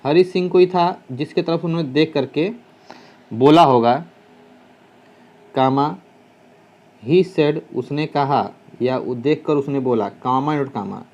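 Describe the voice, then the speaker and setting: A man gives an English translation lesson, and his voice sits a little high for a man. He talks at an unhurried pace, dictating each phrase slowly and spelling words out letter by letter. Now and then he corrects himself mid-sentence as he thinks aloud. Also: darkish tone. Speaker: English teacher.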